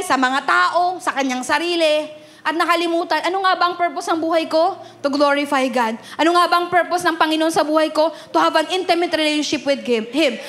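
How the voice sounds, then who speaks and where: Young Filipino woman pastor, high-pitched, preaching in a mix of Tagalog and English. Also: fairly bright tone. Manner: mixes Tagalog and English, asks "Amen?" and "Di ba?". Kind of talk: sermon.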